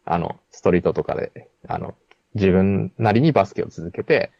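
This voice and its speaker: A man's voice: low-pitched, expressive, normal speed, vocal fry, darkish tone, no echo. A man telling a personal story in casual chat, with many fillers and restarts. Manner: rambling storytelling with frequent fillers. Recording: dull lo-fi sound.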